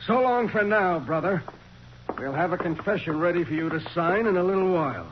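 Blunt american police sergeant, old radio show, impatient, highish voice, muffled sound. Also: male voice, lively intonation, brisk. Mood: demanding. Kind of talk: 1940s radio drama acting. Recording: muffled, noisy 1940s radio recording.

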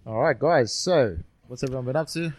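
A man's voice: mid-range voice, fairly quick, a little mellow, dry recording. A man co-hosting a podcast, chatting casually and eagerly, repeating words for emphasis. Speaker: podcast co-host. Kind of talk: casual chat.

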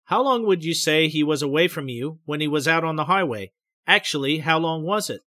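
A man reading the lines of a doctor who calmly and gently guides a patient through hypnosis. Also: fairly high pitch, fairly quick, no room sound, clean studio sound. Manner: calm, gentle, reassuring. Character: calm male doctor guiding a hypnosis session.

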